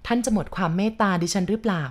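A woman's voice: mid-range voice, racing, pitched above the performer's own voice, lightly acted. A woman reading a novel aloud, voicing a shy and devoted teenage girl who speaks politely and hesitantly. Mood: timid.

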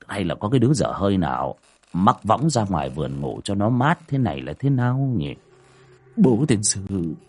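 A man's voice: fairly low pitch, sing-song, normal speed, a little mellow, slightly rough, full character voice. A man voicing a cowardly old ex-convict who wails and pleads in panic. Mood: puzzled grumbling. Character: cowardly old male ex-convict, shrieking in terror.

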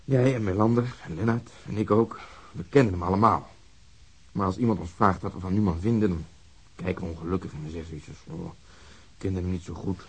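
An actor playing a blunt, hard-nosed, insistent police detective who talks emphatically in a Dutch radio drama. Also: male voice, low-pitched, a little fast, slightly rough. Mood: probing.

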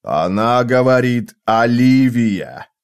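A tormented phantom in flames performed by a male narrator speaks in a hoarse, insistent voice. The words come out very slowly and anguished, in an audiobook style. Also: medium pitch, lively intonation. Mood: urgent, eerie. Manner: drawn-out, anguished, insistent exclamations. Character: eerie burning apparition of a tormented, laughing man.

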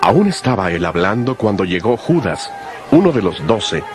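A man's voice: fairly low pitch, sing-song, normal speed. A man narrating scripture from a script in a solemn style, as part of a dramatized audio Bible. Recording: music behind the voice.

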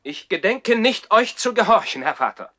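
An actor playing a defiant, courtly young baronet in a German radio play from the 1960s. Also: male voice, high-pitched, big pitch swings, moderate pace, sharp tone, heavily acted. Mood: proud, defiant. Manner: stilted courtly politeness turned cheeky and defiant. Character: defiant young baronet boy living in the trees.

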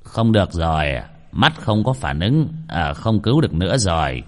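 A man voicing an old male doctor who speaks slowly and resignedly. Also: low voice, sing-song, darkish tone. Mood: grave.

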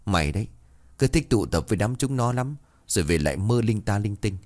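A man's voice: lowish voice, lively intonation, a little fast, a little mellow, close to an everyday voice. Man voicing a nagging mother. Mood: scolding. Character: scolding middle-aged mother.

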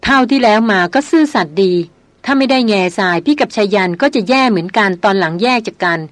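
A woman's voice: mid-range voice, expressive, fast, no room sound, natural voice. A woman reading a thoughtful elder brother. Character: thoughtful older brother, leader of the expedition.

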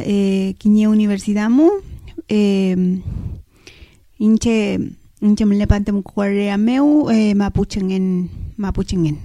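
A woman with a Chilean accent, a native Mapudungun speaker, talks in an unhurried, thoughtful way and often pauses on "eh" as she gathers her words. Her voice is mellow and warm, and it sounds dry and close, with no room echo. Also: medium pitch. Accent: Chilean Spanish. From Temuco, southern Chile. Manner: measured, thoughtful, frequent "eh" hesitations. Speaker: language revitalization activist. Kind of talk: recorded spoken message.

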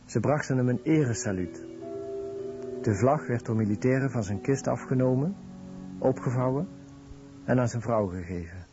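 A man's voice: mid-range voice, normal speed, pauses often, lightly acted. An actor voicing a man's recollections in a scripted documentary voice-over. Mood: sober recollection. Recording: dull lo-fi radio recording. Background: music.

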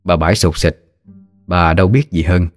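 A man tells a ghost story in a steady, somber way. His voice is very deep, and soft music plays faintly underneath. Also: normal speed.

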